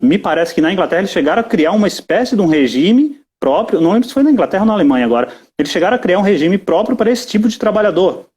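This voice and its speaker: Fast-talking Brazilian man. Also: high voice, expressive, a little mellow, breathy edge. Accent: Brazilian Portuguese. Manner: hesitant, repeats words. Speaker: guest. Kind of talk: casual live chat.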